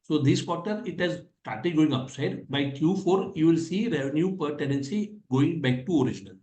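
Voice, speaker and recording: Echoey, mellow Indian-accented male executive. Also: fairly high pitch, animated, moderate pace. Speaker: company executive. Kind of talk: answering analyst questions on an earnings call. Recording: echoey conference call audio.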